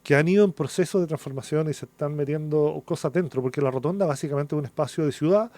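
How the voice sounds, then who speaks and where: A man's voice: fairly high pitch, fast, dark tone, no room sound. A man with a Chilean accent speaking as an academic guest in a radio interview, explaining things and checking for agreement with tag questions. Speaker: academic guest, architecture vice dean.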